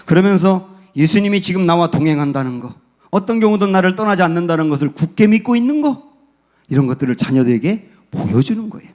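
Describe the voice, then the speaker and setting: A man pastor preaching a Sunday sermon in a church, building from quiet storytelling to fervent peaks. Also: high-pitched, lively intonation, fast talker. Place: church sanctuary.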